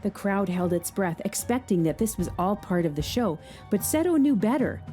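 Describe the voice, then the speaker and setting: A woman narrating a dramatic story in a measured, scripted way. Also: medium pitch, expressive, dark tone, faint music behind.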